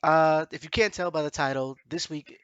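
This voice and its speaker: Male host, bright forceful voice, slightly stuffy nose, rambling casual chat, very dry recording. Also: fairly high pitch, steady tone, moderate pace, smooth, no room sound, dull audio. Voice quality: congested nose from allergies. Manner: hesitant, self-correcting, rambling. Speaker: podcast host.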